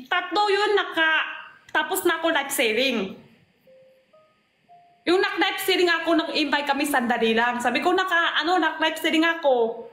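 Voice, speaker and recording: A woman's voice: very high voice, moderate pace, fairly bright tone, faint music behind. A young woman chatting casually in a playful vlog game, laughing often. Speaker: vlogger. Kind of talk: casual chat.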